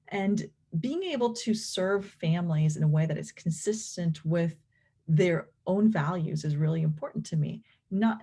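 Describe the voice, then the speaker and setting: A woman from Venezuela with a low, husky, warm voice gives an explanatory academic lecture. She is a clinical professor and behavior analyst presenting research.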